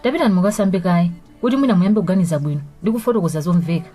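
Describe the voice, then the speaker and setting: A woman's voice: fairly low pitch, racing, warm tone, faint music behind, lightly acted. A woman with a Malawian accent playing a concerned, insistent friend who asks probing questions in a radio drama. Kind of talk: vernacular radio drama acting.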